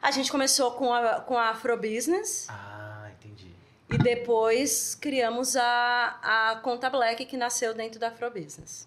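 The loudness swings widely in a very clean recording with a silent background. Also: woman, high pitch for a woman, ordinary pitch variation, fairly slow pace. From São Paulo, south zone. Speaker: entrepreneur, digital bank co-founder. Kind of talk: casual interview chat.

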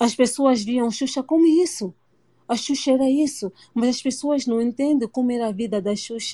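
On a very clean recording with a silent background, a woman with a Mozambican accent talks at a moderate pace in a high pitch with ordinary pitch variation. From Mozambique. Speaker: listener caller. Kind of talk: casual chat. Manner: animated.

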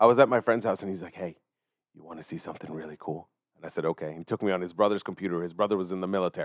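Talking at a very fast pace, a man with a very deep, low pitch shows big swings in loudness. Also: ordinary pitch variation, dry, close sound with no echo. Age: 30s. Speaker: podcast co-host. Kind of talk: casual chat.

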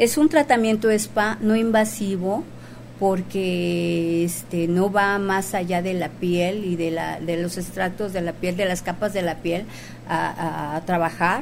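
Noticeable background noise sits behind a woman speaking very slowly. Her pitch is medium, with ordinary variation. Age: 50s. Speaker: cosmetologist. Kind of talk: interview.

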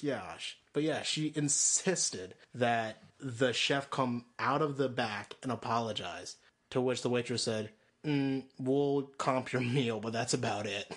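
An American accent carries this man's speech at a fairly slow pace. He has an ordinary speaking voice, medium in pitch, with fairly even intonation. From Philadelphia, of Indian heritage. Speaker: podcast co-host. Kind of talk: casual chat.

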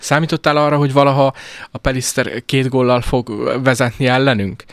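The recording is very clean, with a silent background and a dry, close sound with no echo. A man speaks at a moderate pace and medium pitch, his intonation fairly even. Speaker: sports journalist. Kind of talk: casual chat.

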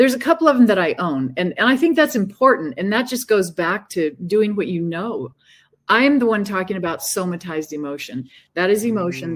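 A woman talks with an ordinary speaking voice. Her intonation is lively. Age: 60s. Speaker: energy medicine professional and social media creator. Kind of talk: casual interview chat. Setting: video call.

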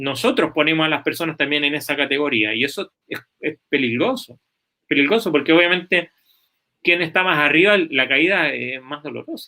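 A man speaks in a Chilean accent at a fairly quick pace. His pitch is fairly high, with ordinary variation. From Chile, Coquimbo. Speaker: pastor. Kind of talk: casual chat.

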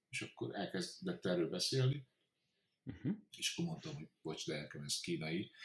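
At a moderate pace, the voice shows vocal fry and very wide pitch swings. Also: man, medium pitch for a man. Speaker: illustrator. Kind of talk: interview.

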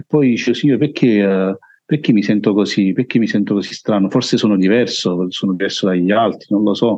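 A man at a fairly quick pace, with ordinary pitch variation. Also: fairly low pitch for a man. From Naples, Italy. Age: 30s. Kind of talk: testimony.

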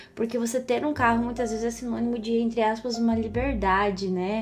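Here a woman speaks with a Brazilian accent. Her pace is fairly quick. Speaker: podcast host, economist and financial educator. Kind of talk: casual chat.

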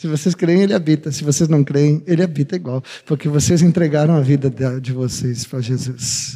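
A somewhat breathy, dark and mellow tone from a man at a fairly high pitch with ordinary pitch variation and a fairly quick pace. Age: 50s. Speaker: pastor. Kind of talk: sermon. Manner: warm, addressing teenagers with diminutives.

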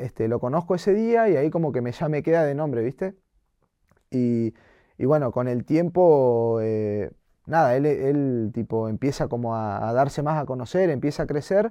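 A man with a Rioplatense accent speaks in a dark, mellow tone at a fairly high pitch, his intonation lively against a quiet background. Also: moderate pace. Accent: Argentine Rioplatense Spanish. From Argentina, Bahía Blanca. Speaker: streamer. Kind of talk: casual interview. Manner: halting with many fillers.

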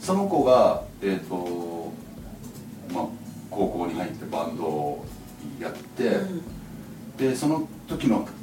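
Amid noticeable background noise and audible room echo, a man speaks at a fairly slow pace with a fairly low pitch. His pitch swings very widely, and long pauses come often. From Tokyo, Japan (ages 2-9 in New York). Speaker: MC and VJ. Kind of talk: interview.

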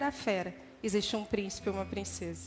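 At a moderate pace, a somewhat breathy woman is talking. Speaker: preacher. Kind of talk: sermon. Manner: animated.

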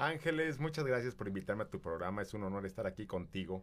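Here is a man with an ordinary speaking voice. He talks fairly quickly at a fairly low pitch. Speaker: president of a merchants' association. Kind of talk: radio interview.

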